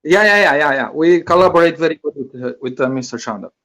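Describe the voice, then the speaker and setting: A man from Romania calling in, who speaks hesitantly and fills his pauses with "uh". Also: on the high side, fairly bright tone. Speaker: caller. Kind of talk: casual call-in talk.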